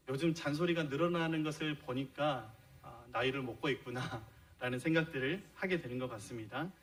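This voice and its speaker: Poor audio captures a middle-aged pastor preaching in a church sanctuary, his voice a bit bright and on the high side. He earnestly unpacks his points while putting rhetorical questions to the congregation.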